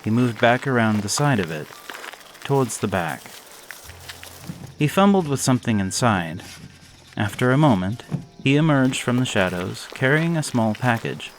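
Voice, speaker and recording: A man narrating a gothic horror story in a measured, expressive reading. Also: mid-range voice, a little hiss or hum.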